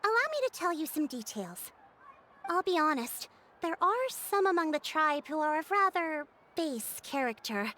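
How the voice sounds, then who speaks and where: A woman voicing a composed, diplomatic tribal chief in a video game, speaking in a polite, measured, formal way as she recounts legends and explains plans. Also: high voice, big pitch swings, sharp tone, slight background noise, exaggerated voice. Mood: calm. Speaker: tribe chief.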